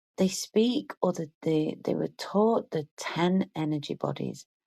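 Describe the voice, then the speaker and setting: A woman's croaky voice with vocal fry moves at a fairly slow pace. Her intonation is lively, and the sound is dry and close with no echo. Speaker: meditation guide. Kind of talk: guided meditation. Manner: halting, with fillers.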